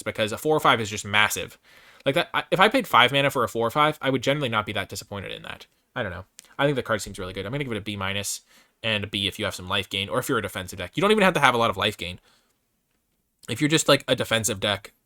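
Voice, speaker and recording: A man's voice: mid-range voice, pushed and bright, no room sound, clean studio sound. A man hosting a casual, off-the-cuff card game review, thinking aloud and revising his opinions as he goes. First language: English. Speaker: host reviewing trading card game cards.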